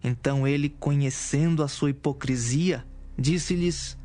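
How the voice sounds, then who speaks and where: A man's voice: on the high side, measured pace, mellow, soft background music. A man with a Brazilian accent giving scripted narration of scripture as a narrator.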